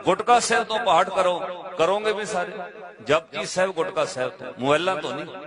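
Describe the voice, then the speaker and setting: A man's voice: high voice, a little fast. A man preaching to a live congregation in a Punjabi accent, exhorting his listeners with direct questions and playful asides. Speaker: Sikh preacher. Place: gathering with a crowd. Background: crowd responding.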